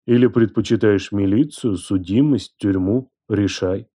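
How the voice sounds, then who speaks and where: A man voicing a cold, domineering man who speaks slowly and deliberately. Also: lowish voice, mellow. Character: cold, domineering young man, the narrator himself.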